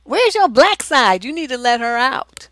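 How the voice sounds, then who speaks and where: A woman's voice: high-pitched, very animated, unhurried, fairly bright tone, dry recording, clean studio sound. A middle-aged woman hosting a relationship advice livestream, talking bluntly and profanely with theatrical flair. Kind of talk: casual livestream advice chat.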